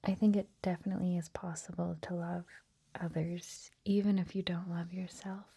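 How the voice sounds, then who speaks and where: A woman whispering softly in a gentle, reassuring ASMR style, as if hosting a guided meditation. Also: on the low side, flat delivery. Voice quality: breathy, whispered, soft. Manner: gentle, slow, hushed, reassuring. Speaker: host of a guided meditation series.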